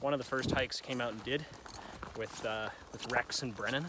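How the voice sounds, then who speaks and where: A man talks at a very fast pace with ordinary pitch variation. The sound is dry with no echo, but background noise is noticeable. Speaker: hiker vlogger. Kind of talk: casual vlog chat. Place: open country. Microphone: phone near.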